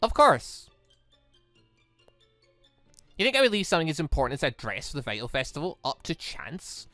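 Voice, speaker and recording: A man plays a young heiress in a visual novel game, proud and sure of herself. The delivery is grand and superior, with bright, animated pitch and a dry, close sound. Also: moderate pace, dry recording, faint music behind. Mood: haughty. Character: haughty, self-assured rich young heiress.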